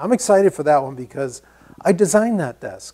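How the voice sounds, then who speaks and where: With a dark, mellow tone, a man speaks against a quiet background. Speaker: woodworking teacher. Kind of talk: casual channel update announcement. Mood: upbeat, enthusiastic. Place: workshop. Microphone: lapel.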